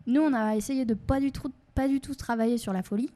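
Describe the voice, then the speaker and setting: A woman's voice: a little high, a little fast, warm tone. A woman from the Pyrenees chatting as a radio guest, laughing often and filling with hesitations. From Pyrenees, southern France. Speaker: theatre guest. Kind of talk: casual radio chat.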